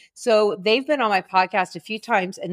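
At a moderate pace, a woman with a medium-pitched voice speaks in a dry, close sound with no echo. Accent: American. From US Midwest. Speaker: headshot photographer. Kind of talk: interview.

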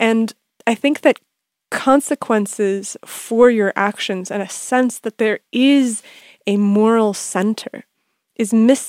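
Speaking very slowly with an American accent, a woman keeps a fairly high pitch and fairly even intonation. The recording is very clean with a silent background, and the sound is dry and close with no echo. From Russian immigrant raised in the US. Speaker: podcast host. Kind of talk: casual interview conversation.

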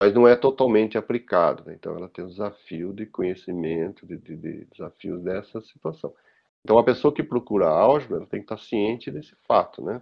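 A man at a fairly quick pace, with lively intonation and big swings in loudness. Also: fairly low pitch for a man. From interior of São Paulo state, Brazil. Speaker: mathematics professor. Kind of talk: interview. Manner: hesitant, frequent fillers.

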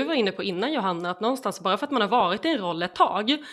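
Talking at a very fast pace, a woman with a fairly high voice sounds animated, her intonation lively, in a very clean recording with a silent background. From Sweden, Halland (Laholm). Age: 30s. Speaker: sales manager. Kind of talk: podcast interview.

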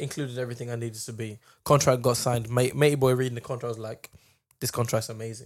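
A man's very fast speech at medium pitch, with big swings in loudness. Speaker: podcast host. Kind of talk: casual banter podcast. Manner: animated, joking.

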